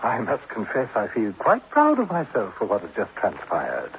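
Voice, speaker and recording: An actor playing a smug, florid older killer, mocking and very pleased with himself, in 1950s radio acting. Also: male voice, fairly low pitch, huge pitch swings, normal speed. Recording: tinny, lightly hissy old radio broadcast.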